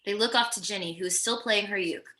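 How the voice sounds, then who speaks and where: A woman's voice: mid-range voice, quick pace, bright, forceful tone. A woman narrating stage directions from a script at a virtual table read. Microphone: video call microphone.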